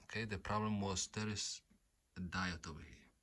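A man who is not a native English speaker, giving an unscripted hands-on repair explanation in a halting, repetitive way, often saying okay. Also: fairly low pitch, fairly even intonation, a bit bright, slight background noise. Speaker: repair tutorial host. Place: indoors at home.

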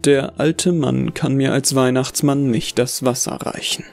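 A male actor narrates as a bitter, deluded Santa in a horror story. His mid-pitched voice is gravelly and brooding, full of contempt, with music underneath. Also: fairly even intonation, unhurried, a little mellow. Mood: brooding, cold. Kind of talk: dramatic first-person horror narration. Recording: music behind the voice.

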